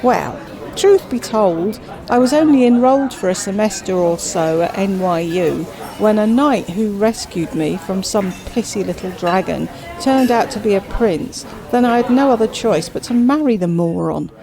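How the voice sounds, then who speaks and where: A woman's voice: mid-range voice, animated, normal speed, crowd noise, natural voice, low-quality recording. A woman voicing a chatty, self-absorbed widowed queen who drawls with grand theatrical emphasis. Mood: gossipy.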